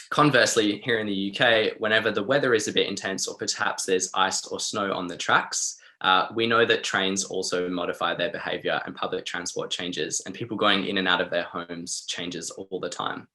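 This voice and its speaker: An Australian man presenting a wellbeing webinar in an informal, chatty and encouraging way, often softening his points. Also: low voice.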